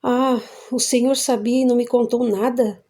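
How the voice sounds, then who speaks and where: A woman's voice: fairly high pitch, steady tone, normal speed, warm tone, lightly acted. A woman reading an audiobook, voicing a betrayed young wife who speaks while crying. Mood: tearful.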